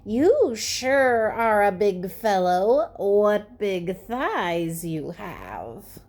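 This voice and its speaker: A woman voicing a hungry big bad wolf posing as an old lady in a storybook, relishing each drawn-out word. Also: mid-range voice, very animated, a little mellow, full character voice. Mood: sly, greedy. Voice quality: creaky.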